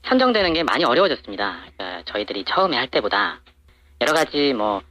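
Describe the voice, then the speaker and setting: A man's voice: a little high, very animated, fast talker, gravelly, highs cut off. An anonymous male supplier answering interview questions through an electronic voice changer that disguises his voice. He talks matter-of-factly and fills his answers with hesitant fillers. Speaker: anonymous supplier to TV shopping channels.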